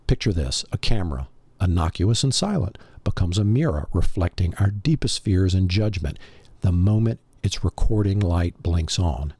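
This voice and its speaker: Husky, animated male podcast host. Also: lowish voice, dry recording. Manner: rhetorical, addressing the listener directly. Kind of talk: scripted motivational monologue.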